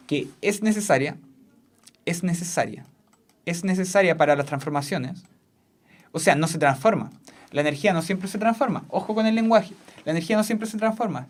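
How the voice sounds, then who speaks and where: A substitute physics teacher, teaching a class in a classroom. The teacher repeats key points and keeps checking in with the students. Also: mid-range voice. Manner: repeats key points, checks in with frequent questions, laughs easily. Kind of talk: classroom lesson. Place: classroom with a whiteboard.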